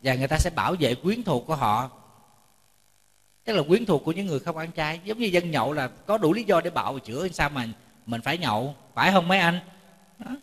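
A man's voice: a little high, expressive, brisk, a bit bright, husky. A man, a Buddhist monk giving a chatty storytelling sermon, often repeating words and joking with his audience. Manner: jokes with the audience. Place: temple lecture hall. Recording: reverberant hall.

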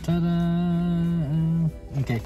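A man's voice: on the high side, steady tone, extremely slow, lo-fi sound, over music. Jokey man with a Native American reservation accent. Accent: Native American (Navajo reservation). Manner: jokey, playful. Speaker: family vlogger. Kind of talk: casual vlog chat to camera. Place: inside a parked pickup truck. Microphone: phone at arm's length.

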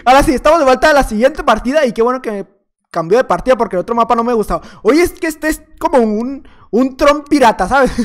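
A man with a Mexican accent giving live gameplay commentary as a gaming YouTuber, joking and rambling as he chats playfully with the other players. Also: extremely high pitch.

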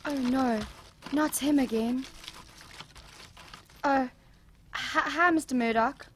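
A woman's voice: high voice, slow, a little hiss or hum. A woman playing a reluctant, sulky twelve-year-old boy in an audio drama, hesitant in his talk. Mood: uneasy, hesitant.

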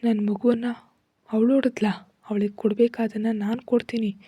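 A woman reading aloud voices a domineering mother-in-law, stern and scolding, all in a husky whisper. The sound is low and dark, flat in pitch, close and dry. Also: moderate pace, dry recording. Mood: angry. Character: harsh domineering mother-in-law, middle-aged.

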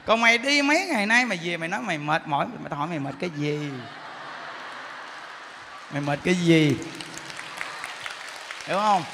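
A monk playing a scolding, nagging wife. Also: male voice, sits high, expressive, fairly quick, creaky, long pauses, in a large hall, a crowd in the background, noisy background. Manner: scolding, sarcastic questions.

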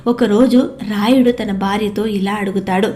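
A woman's voice: mid-range voice, fairly even intonation, moderate pace. Earnest woman telling a devotional story. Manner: gentle, earnest, addresses listeners respectfully.

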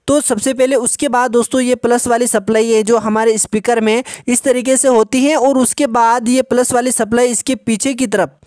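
A man patiently explaining a phone repair step by step in a tutorial voice-over, often pausing to check in with the viewer. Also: extremely high pitch, darkish tone, dry recording, clean studio sound. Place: voice-over over a drawn circuit diagram.

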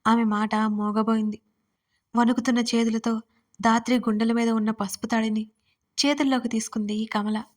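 A woman storyteller narrating a romance audio story in a steady, expressive reading voice. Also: fairly high pitch.

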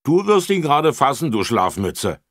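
A man's voice: medium pitch, very animated, moderate pace, a bit bright, dry recording, studio quality, pitched above the performer's own voice. A man voicing a cheeky little girl who teases a friend, in a children's audiobook. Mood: teasing. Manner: teasing, mocking.

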